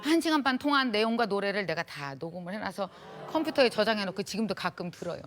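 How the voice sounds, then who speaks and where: A middle-aged woman lecturer telling a personal story to an audience in a lively, heartfelt, colloquial way. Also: medium pitch, quick pace.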